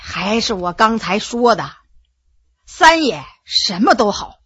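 Shrewd elderly official, quiet lowered voice, measured advice, a woman acting him in a storybook reading with a husky edge. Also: big pitch swings, no echo, dull audio, exaggerated voice. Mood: reflective. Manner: measured, advising. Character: elderly stroke-stricken Qing official, shrewd and frank.

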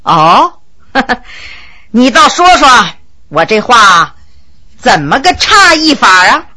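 A woman voicing a proud, quick-tempered high-ranking male minister with a commanding way of talking. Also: very animated, sharp tone, heavily acted. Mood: amused, condescending. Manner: commanding, booming laughs.

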